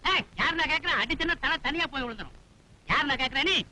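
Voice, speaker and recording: A loud bossy big brother cop, talks fast, sharp high voice. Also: male voice, exaggerated voice, poor audio. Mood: blustering. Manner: loud, scolding, melodramatic. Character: blustering elder brother, threatening policeman.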